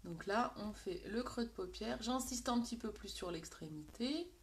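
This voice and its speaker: A woman's voice: medium pitch, lively intonation, normal speed, a little hiss or hum. A woman with a French accent hosting a live makeup tutorial, chatting to her viewers as she works. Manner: chatty, addresses viewers directly, reads out comments.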